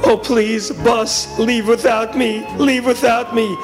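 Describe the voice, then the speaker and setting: A high-voiced, anxious schoolboy acted by a man from a comic story. He hesitates, pleads and grumbles, forever stalling, with music underneath. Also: lively intonation, brisk. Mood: pleading. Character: dread-filled schoolboy, nervous and stalling.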